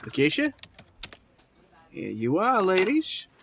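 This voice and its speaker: An actor playing an easygoing, slightly fumbling junior detective in an audio drama, speaking casually and hesitantly. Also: male voice, high-pitched, huge pitch swings, slow, creaky, fairly bright tone, slight background noise, exaggerated voice.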